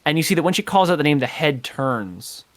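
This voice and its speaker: A man's voice: fairly high pitch, animated, brisk. A man narrating as game master of a tabletop game, hesitant and full of filler words. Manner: hesitant, full of ums and kinda.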